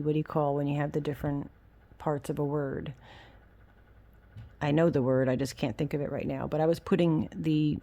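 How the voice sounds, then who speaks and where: A woman's voice: deep voice, darkish tone. A woman chatting casually and candidly through a rambling craft show-and-tell, self-deprecating, with a whistle on her s sounds. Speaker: craft vlogger.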